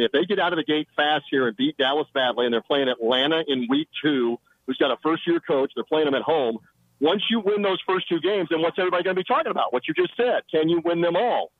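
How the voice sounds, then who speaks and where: A man reporting from the sideline as a radio show guest, rattling off confident football analysis. His voice sits a little high and sounds close and dry. He is calling in from under shelter outside a stadium. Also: no room sound, phone-quality sound. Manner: confident, rapid-fire football breakdown. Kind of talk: radio sports analysis by phone.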